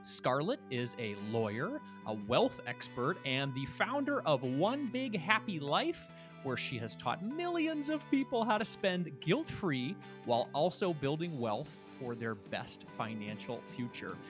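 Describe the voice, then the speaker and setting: A man's voice: a little high, big pitch swings, measured pace, music in the background. A man hosting a podcast, introducing his guest and asking questions in an upbeat, friendly way. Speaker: podcast host.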